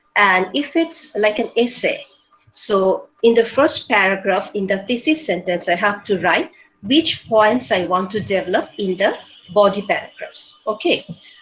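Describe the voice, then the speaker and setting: An unremarkable speaking voice with lively intonation moves at a fairly slow pace. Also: woman, medium pitch for a woman. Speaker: English teacher. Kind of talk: workshop lecture.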